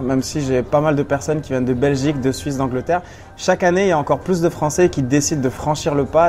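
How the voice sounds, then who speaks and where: A man's voice: fairly high pitch, darkish tone. Easygoing young man from Morocco. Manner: hesitant, many fillers, easygoing. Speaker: guest blogger. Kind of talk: casual interview answers. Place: seminar venue.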